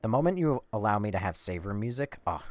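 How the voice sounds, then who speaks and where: A man doing casual live game commentary, rambling and swearing as he thinks out loud. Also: lowish voice, big pitch swings, quick pace. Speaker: live streamer. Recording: faint background noise.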